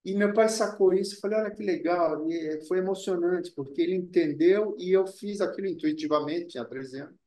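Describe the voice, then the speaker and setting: A man being interviewed as an actor, talking earnestly and deliberately, often repeating words as he searches for them, and Italian was his first language. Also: high-pitched, mellow, echoey room. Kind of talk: reflective interview talk.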